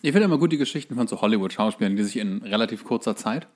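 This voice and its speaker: A lowish, darkish male voice races along with lively intonation, sounding like he's chewing with his mouth full. He's co-hosting a casual podcast, chatting, explaining things and making dry jokes.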